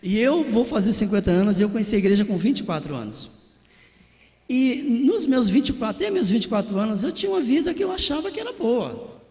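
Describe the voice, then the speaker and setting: A man's voice: sits high, very animated, fast talker, dark tone, big-room sound. A Brazilian man, preaching a sermon and telling his own story in a conversational way, talking straight to the congregation. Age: 40s. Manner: conversational, addresses the congregation directly, tag questions. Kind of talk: sermon with personal testimony.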